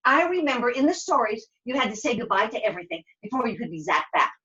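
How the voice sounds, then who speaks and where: Woman as young servant girl, whiny, excitable, melodramatic, high voice, very animated, puppet show, lo-fi sound. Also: fast. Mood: hopeful. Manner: melodramatic, repetitive, flustered.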